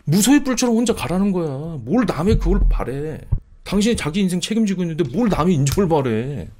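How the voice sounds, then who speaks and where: A man's voice: high voice, fast talker, slight background noise. A middle-aged man giving impassioned advice to his viewers, scolding them and mocking their complaints in whiny quoted voices. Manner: animated, mock-quoting others in whiny voices, scolding. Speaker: video creator answering viewer comments.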